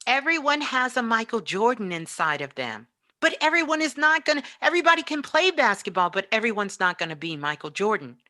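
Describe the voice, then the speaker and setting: A woman's voice: a little high, very animated, fairly quick, bright, forceful tone, no room sound, clean studio sound. A woman giving a spiritual motivational talk, speaking emphatically and repeating phrases for effect. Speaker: spiritual teacher and show host, as guest.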